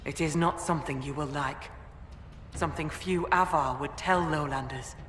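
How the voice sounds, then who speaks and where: A man playing a grave, proud tribal leader in a fantasy game, speaking formally and with measured solemnity. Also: a little high, a bit bright, lightly acted. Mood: solemn, stern. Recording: roomy reverb with faint ambient noise.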